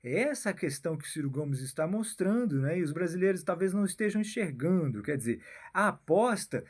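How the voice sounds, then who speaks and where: Brazilian man, high voice, halting political talk, habitual "né?" tags. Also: expressive, breathy edge. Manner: keeps adding "né?" and "meu filho"; halting, repeats and restarts phrases. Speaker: political commentator. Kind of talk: rambling political monologue.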